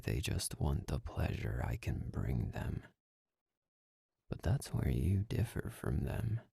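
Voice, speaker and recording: A man acting an arrogant, domineering master in an intimate ASMR roleplay, slow and condescending, with a breathy, gravelly voice that often drops into a whisper. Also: a bass voice, dark tone, dry recording, clean studio sound, exaggerated voice. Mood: smug, condescending. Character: arrogant, domineering young male master, cold and mocking.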